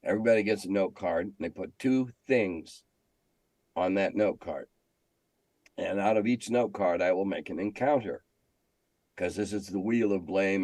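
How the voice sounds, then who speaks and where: A man's voice: low-pitched, a little mellow, dry recording. An older man telling stories casually in an interview as a veteran game master, talkative and salty with dry humor.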